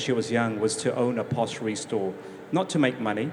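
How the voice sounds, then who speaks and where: Speaking at a moderate pace, a man with a New Zealand accent shows ordinary pitch variation. There is noticeable background noise and audible room echo. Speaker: corporate affairs director. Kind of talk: panel discussion. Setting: stage with audience.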